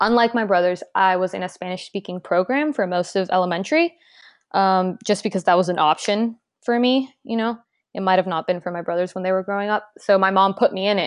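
Speaking at a fairly quick pace in a General American accent, a woman uses a plain, everyday voice at a medium pitch with ordinary pitch variation. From Texas, Houston area. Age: young. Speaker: bilingual student. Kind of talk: interview.

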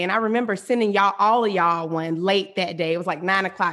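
Against a quiet background, a woman talks in an animated tone with ordinary pitch variation. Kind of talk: casual chat. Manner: loud, animated.

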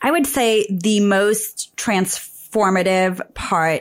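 A woman at a fairly slow pace with ordinary pitch variation, on a very clean recording with a silent background. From immigrant to US at age seven, grew up in US. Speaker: research fellow, economist. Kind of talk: interview, conversational.

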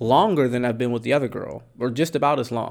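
This man speaks at a medium pitch and a fairly quick pace. Vocal fry runs through his voice. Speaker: podcast co-host. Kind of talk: casual podcast conversation.

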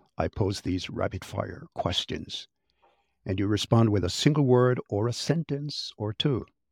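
Recorded very clean against a silent background, with a dry, close sound and no echo, a man of medium pitch uses a normal speaking voice at a fairly slow pace and lively intonation. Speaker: podcast host. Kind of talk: podcast interview.

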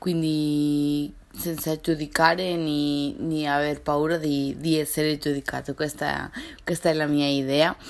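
In a Spanish accent, a woman speaks with a very deep, low pitch. Her pace is very slow. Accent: Spanish-accented Italian. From Barcelona, Spain. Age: 20s. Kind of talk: casual interview answers.

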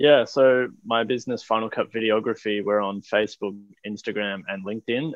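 A fairly low-pitched man with an Australian accent, fairly even intonation and a fairly quick pace. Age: 20s. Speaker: videographer and business founder. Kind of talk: interview.

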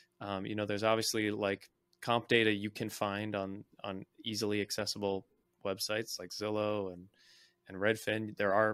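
A man with a normal speaking voice and a fairly low pitch speaks at a moderate pace with an American accent, on a very clean recording with a silent background. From US Midwest, Wisconsin. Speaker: software co-founder, land investor. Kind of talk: podcast interview.

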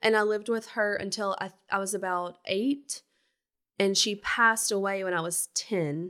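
With an American accent, a woman speaks at a medium pitch in a bright, sharp tone, her intonation fairly even and her loudness swinging widely, on a very clean recording with a silent background. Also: moderate pace. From US South, South Georgia. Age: 30s. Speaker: fitness studio owner. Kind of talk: interview conversation.

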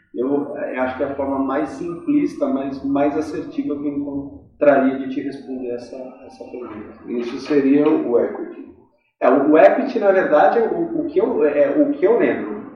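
The speaker is a man talking at a moderate pace. His loudness swings a lot. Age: 30s. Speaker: marketing executive. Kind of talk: interview.

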